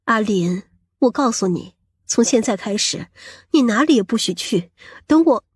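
A woman playing a fierce, protective mother of a grown son, emphatic and sharp-tongued, in a dramatic audiobook. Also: a little high, lively intonation, normal speed, husky, no room sound, clean studio sound. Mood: wary, commanding.

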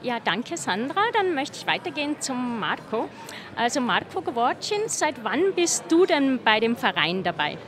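A woman's voice: fairly high pitch, very animated, normal speed, a bit bright. A woman in her thirties hosting an interview outdoors at a street festival, speaking into a handheld mic. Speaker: host. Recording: street noise behind.

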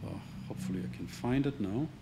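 A man's voice: medium pitch, quick pace, background noise. A man answering audience questions at a tech meetup, hesitant, with many restarts and hedges. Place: meetup venue, indoors, standing at a lectern.

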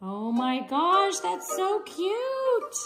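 A woman's voice: extremely high pitch, sing-song, extremely slow, over music. A middle-aged woman co-hosting a casual vlog, talking to camera in an upbeat, bubbly way and laughing often. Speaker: co-host. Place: indoor home studio set.

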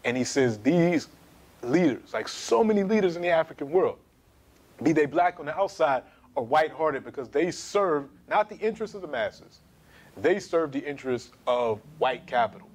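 A man in his thirties giving an emphatic, animated history lecture to camera in a small studio. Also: a little high, normal speed. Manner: animated, emphatic, gesturing while pacing.

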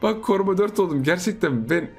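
A man's voice: sits high, lively intonation, fairly quick, breathy edge, faint music behind. A young man giving playful gameplay commentary for his channel, joking, teasing opponents and laughing often. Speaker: gaming YouTuber.

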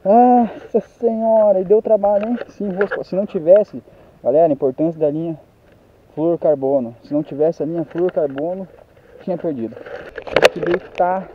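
A young man with a Brazilian Portuguese accent and a fairly high voice, breathless and exclaiming as he talks to his viewers outdoors. His camera mic makes the sound dull and lo-fi, with a faint hiss behind him. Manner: excitable, exclaiming, talking to viewers. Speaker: fishing vlogger. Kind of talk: excited outdoor fishing commentary. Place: outdoors on a riverbank. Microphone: handheld camera mic.

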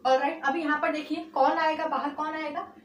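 A woman with a high voice teaches chemistry, switching between English and Hindi and checking in with her students after nearly every phrase. She stretches key terms slowly and hurries through the linking words. She sounds a little far from the mic in a roomy, echoing space with a faint hum behind her. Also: fairly even intonation. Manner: mixes English and Hindi, repeats "ठीक है" and "alright" as check-ins. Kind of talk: whiteboard lesson. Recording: echoey room, far from mic.

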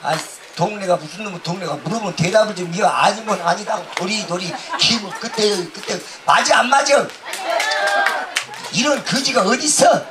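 A man doing loud, brash stage comedy outdoors, heckling the crowd through a handheld mic. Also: sits high, moderate pace. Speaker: pumba street performer. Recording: distant outdoor PA with noise.

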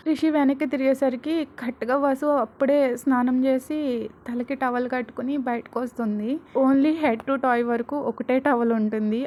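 A woman's voice: fairly high pitch, darkish tone. A woman narrating a serial romance story in a chatty, conversational way.

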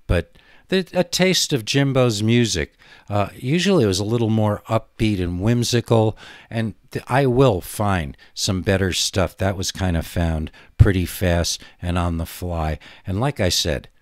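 A man's voice: sits low, no echo, studio quality. A man hosting an internet broadcast with casual, rambling commentary, often interrupting himself.

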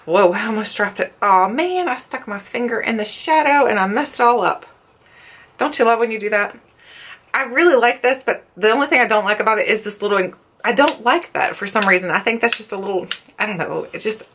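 Bright-voiced woman chatting about products. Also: medium pitch. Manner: chatty, candid, informal. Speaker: beauty vlogger. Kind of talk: casual makeup product review to camera. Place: furnished bedroom, indoors.

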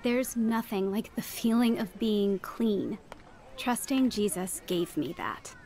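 An actress playing an earnest Christian woman gently counseling someone in a radio drama. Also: medium pitch, animated, slow. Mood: earnest, reassuring.

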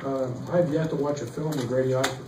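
A middle-aged man, a basketball coach, answering questions at a postgame press conference, halting with many fillers and restarts. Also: mid-range voice, fairly even intonation. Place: press room behind a table. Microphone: table mic, heard from some distance. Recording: echoey room, distant mic, faint noise.

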